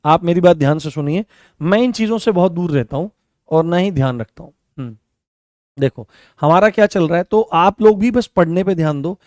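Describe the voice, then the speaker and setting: A man teaching law in an online class, speaking to his students and slowly repeating phrases so they can write them down. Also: a little high, darkish tone, no echo, clean studio sound. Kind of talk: online class lecture with dictation.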